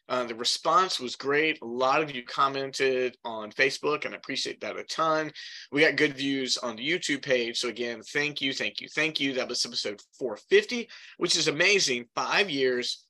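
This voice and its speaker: Bright-voiced chatty male podcast host. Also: medium pitch. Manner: chatty, many fillers, thankful to listeners. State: congested from pollen, occasional cough. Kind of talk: casual solo podcast talk.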